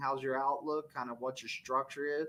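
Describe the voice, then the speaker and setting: A man with a Southern accent speaks in a fairly high voice with a bright, sharp tone. His intonation stays fairly even. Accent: own Southern way of talking. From US South. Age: 20s. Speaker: truck driving instructor and streamer. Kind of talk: live stream chat answering viewer questions. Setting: live stream. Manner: casual.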